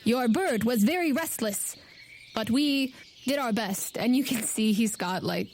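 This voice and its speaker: A woman's voice: fairly high pitch, lively intonation, unhurried, darkish tone, slight background noise. A woman game master narrating a tabletop game in a casual, conversational style.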